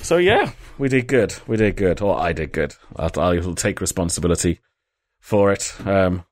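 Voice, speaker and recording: Dude hosting a chatty podcast, jokey and self-mocking, dry close mic sound. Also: male voice, deep voice, lively intonation, normal speed, darkish tone, no echo. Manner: jokey, rambling, laughs at himself. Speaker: podcast host. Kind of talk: casual podcast chat.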